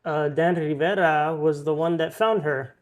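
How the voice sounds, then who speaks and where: A man's voice: a little high, unhurried. A man hosting a podcast, casually reading out news stories with plenty of ums and uhs. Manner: relaxed, reads headlines with filler ums and uhs.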